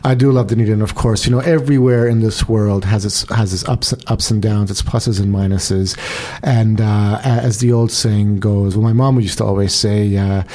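A man's voice: on the low side, fairly even intonation, moderate pace, few pauses, dark tone. A middle-aged man co-hosting a community radio chat, reflective and thoughtful, full of fillers and restarts. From born in Brazil, raised abroad. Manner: reflective, talks in analogies with many fillers and restarts.

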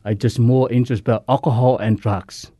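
A man from Samoa with a Samoan accent tells his story in earnest, halting English, the grammar simple and searching. His voice is mellow and dark, and the recording is close and dry. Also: medium pitch, steady tone, dry recording. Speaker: guest sharing recovery story. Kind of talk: radio interview.

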